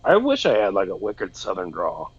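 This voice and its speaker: Man from Boston, low voice, muffled lo-fi recording, casual podcast chat. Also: huge pitch swings, moderate pace, crowd noise. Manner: swears a lot, laughs easily. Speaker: podcast co-host.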